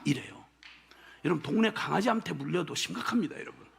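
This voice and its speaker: An older man delivers a sermon in a church with a strikingly high, heavily gravelly voice. His pitch swings all over as he preaches with passion. His tone stays bright and forceful. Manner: impassioned, colloquial preaching with shouted peaks. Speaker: pastor. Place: church sanctuary.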